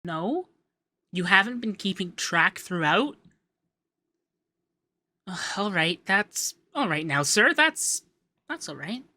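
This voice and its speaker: Man acting a bright-voiced, coy, effeminate young accountant. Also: high-pitched, very animated, slow pace, long pauses, dry recording, full character voice. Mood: businesslike, mildly exasperated. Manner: coy, teasing, lilting, hesitant in places. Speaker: ASMR voice actor. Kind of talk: ASMR roleplay.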